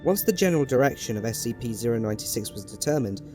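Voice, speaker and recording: An actor playing a composed male scientist who reports slowly and formally, from a played animated video. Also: mid-range voice, lightly acted. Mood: calm. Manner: slow, deliberate, formal report. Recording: music playing underneath.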